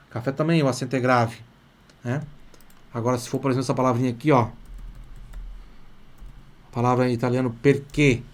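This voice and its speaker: A middle-aged man with a Brazilian accent, teaching Italian in a chatty online lesson and repeating phrases slowly for students. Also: mid-range voice. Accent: Brazilian Portuguese. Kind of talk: live online language lesson.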